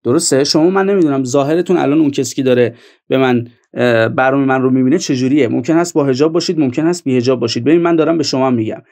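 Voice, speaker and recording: A man's voice: medium pitch, a little mellow. A man giving online video commentary, speaking earnestly and directly to his viewers.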